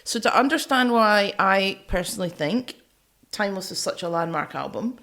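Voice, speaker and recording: A woman's voice: medium pitch, expressive, normal speed, fairly bright tone. A Scottish woman co-hosting a podcast, talking through music informally in a chatty, teasing way. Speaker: podcast co-host. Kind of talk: casual music discussion, explaining from notes.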